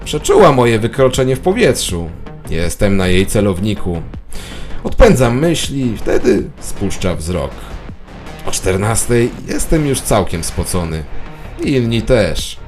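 Over faint music comes a man acting a suspicious office drone narrating his dreary day in an audio drama. His pitch moves in lively swings. He sounds obsessive, conspiratorial and bitterly sardonic. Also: measured pace. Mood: paranoid, bitter. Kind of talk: scripted audio drama monologue.

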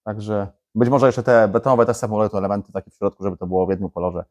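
A man's voice: fairly low pitch, flat delivery, rapid-fire, a little mellow, dull audio. Guy in his 30s vlogging a diy job in his garage, lots of um and restarts, camera mic. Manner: chatty, many fillers and restarts. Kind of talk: casual how-to vlog talk. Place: small indoor garage workshop.

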